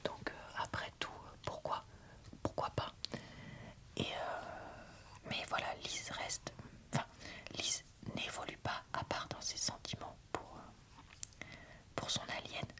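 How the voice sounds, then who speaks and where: A woman whispering an ASMR book review in a soft, breathy, informal and slightly hesitant way. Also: slow, long pauses.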